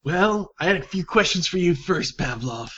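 A man's voice: high-pitched, animated, normal speed, fairly bright tone, slightly rough, highs cut off, heavily acted. A man voicing a wary, street-smart male agent in a tabletop game, cagey in casual tough talk.

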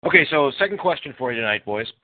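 A man with a middle-pitched voice hosts a casual sports podcast, citing stats and steering the talk. The sound is dry and narrow, like a phone line. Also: lively intonation, quick pace, no room sound. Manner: numbers-driven, leads the questions. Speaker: podcast host.

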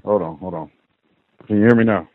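A man's voice: fairly low pitch, a little fast. A male caller on an echoing speakerphone line, his phrases coming back doubled, hesitantly checking whether he can be heard. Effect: echoing speakerphone line, phrases come back doubled. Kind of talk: call-in question on a live show. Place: at home on speakerphone or computer speakers. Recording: noisy echoing phone line.

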